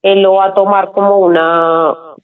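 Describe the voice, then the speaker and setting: A woman student giving thoughtful, measured answers to her teacher's questions. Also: medium pitch, flat delivery, clear, resonant tone. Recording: tinny phone-like line.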